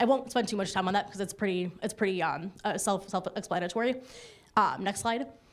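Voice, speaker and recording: A woman with an American accent talks at a very fast pace, her pitch varying in an ordinary way. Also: medium pitch for a woman. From Chicago. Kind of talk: public presentation to village board. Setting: village board meeting. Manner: many fillers and restarts.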